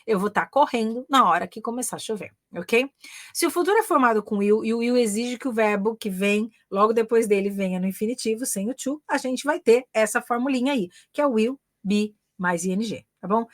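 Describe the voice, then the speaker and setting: A woman's voice: a little high, animated, fairly quick. A woman with a Brazilian Portuguese accent giving a live online English grammar lesson, chatty, checking in with "ok?" and "né?" after almost every phrase. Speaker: English teacher and career mentor.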